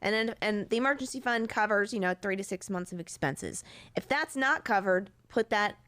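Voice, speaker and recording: A woman's voice: mid-range voice, moderate pace, fairly bright tone. A woman co-hosting a money podcast in casual chat, talking and laughing easily. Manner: chatty, breaks into laughter. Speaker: podcast co-host.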